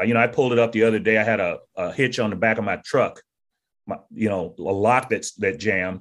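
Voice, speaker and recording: With an American accent and an ordinary speaking voice, a man talks at a fairly quick pace, medium in pitch and with ordinary pitch variation. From US South. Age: 60s. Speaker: retired army sergeant major, leadership author and speaker. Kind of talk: interview.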